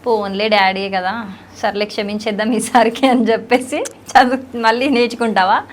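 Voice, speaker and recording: There's a little hiss or hum as a woman with a Telugu accent interviews a small child at a normal speed. Her voice is a little high, and her manner is playful, teasing, and affectionate, with animated questions.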